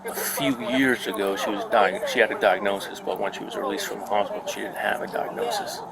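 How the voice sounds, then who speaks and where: Gravelly, subdued man. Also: on the low side, wildly swooping pitch, a little fast, a loud crowd. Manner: subdued, hesitant. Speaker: husband speaking to police.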